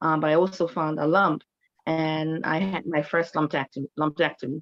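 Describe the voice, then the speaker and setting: At a moderate pace, a woman talks in a plain, everyday voice pitched fairly low. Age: 60s. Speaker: breast cancer survivor, retired medical office worker. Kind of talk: testimony.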